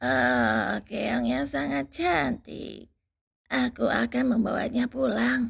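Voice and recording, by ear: A woman's put-on character voice, raspy and very deep, at a very slow pace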